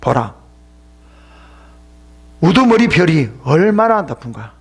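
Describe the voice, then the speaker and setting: A man's voice: on the high side, big pitch swings, slow, husky. A man pastor giving an emphatic sermon at a church seminar, addressing listeners sharply and sometimes dropping into a whisper.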